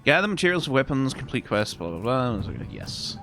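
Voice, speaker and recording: A man's voice: medium pitch, sing-song, moderate pace, fairly bright tone, soft background music. A man doing casual video game commentary as he plays, musing aloud and trailing off as he reads. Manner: musing aloud, trails off reading on-screen text. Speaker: streamer playing a video game.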